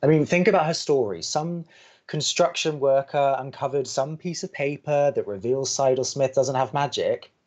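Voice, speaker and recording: A sardonic young male college radio host, played by a man in a romantic comedy audio drama. He reasons drily in a mid-pitched voice. The recording sounds slightly muffled. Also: normal speed, a little mellow, natural voice. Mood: wry, dismissive.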